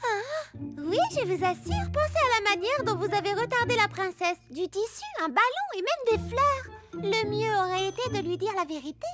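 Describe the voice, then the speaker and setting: A woman's voice: extremely high pitch, animated, normal speed. A woman voicing a friendly, earnest, encouraging young girl in a children's cartoon dub. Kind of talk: French children's cartoon dubbing. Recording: loud children's music behind the voice.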